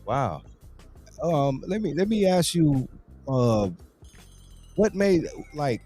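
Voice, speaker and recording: A man's voice: a little high, very animated, takes it slowly, warm tone, soft background music. A man hosting a casual interview, talking in slangy, informal phrases and repeating words as he works toward questions. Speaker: talk show host, interviewer.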